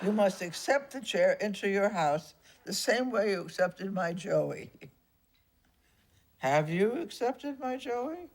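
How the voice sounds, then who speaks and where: An older woman playing a blunt, mischievous grandmother ghost who gives deadpan orders in a broad sitcom style. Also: medium pitch, takes it slowly, a little hiss or hum. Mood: bossy, deadpan. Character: bossy, mischievous ghost of an old Italian-family grandmother.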